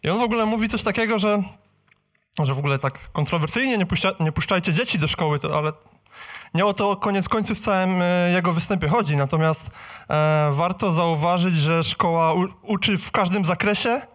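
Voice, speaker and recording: A man with a slightly high-pitched voice speaks up from the audience at a live event. His delivery is casual but halting, full of false starts as he looks for the right words. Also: a bit bright. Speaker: audience member asking a question. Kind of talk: casual spoken question from the floor. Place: live meeting in a room with an audience.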